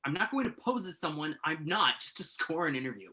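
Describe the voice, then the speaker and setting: A man's voice: a little high, big pitch swings, brisk, bright, forceful tone, full character voice. A man playing an exasperated, principled young journalist in a staged play reading, protesting with wry sarcasm in natural dialogue. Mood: indignant.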